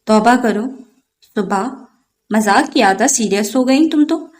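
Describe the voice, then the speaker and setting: A woman's voice: on the high side, lively intonation, close to an everyday voice. A woman voicing a teasing young man who makes jokes. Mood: defensive.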